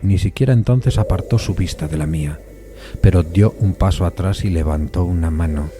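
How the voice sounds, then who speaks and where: An actor playing a courteous, uneasy gentleman who recounts an eerie encounter in formal, deliberate suspense narration. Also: low-pitched, music in the background, natural voice. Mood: measured suspense. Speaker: narrator of an audio drama. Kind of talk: dramatized first-person suspense story narration.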